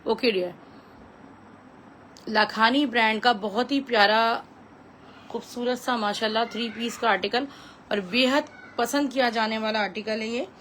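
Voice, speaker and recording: A woman with a Pakistani accent giving a chatty, repetitive live sales pitch as a clothing seller, mixing in English phrases. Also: steady tone, measured pace, pauses often, fairly bright tone, slight background noise, low-quality recording.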